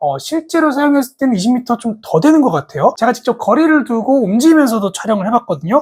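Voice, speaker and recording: Very fast delivery with hardly any pauses. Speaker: tech reviewer. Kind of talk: product review. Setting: studio. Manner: casual, conversational.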